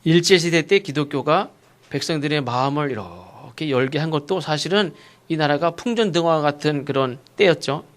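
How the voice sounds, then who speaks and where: A man's voice: fairly high pitch, moderate pace. Man preaching a sermon, raised voice. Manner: preaching with acted rebukes and rhetorical questions. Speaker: pastor. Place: church sanctuary.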